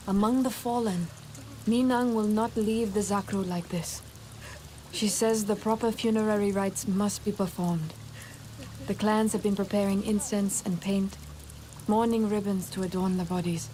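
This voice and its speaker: A woman's voice: mid-range voice, steady tone, unhurried, dark tone, a little hiss or hum, close to an everyday voice, rough recording. An actress playing a grave, composed tribal woman in a video game. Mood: somber.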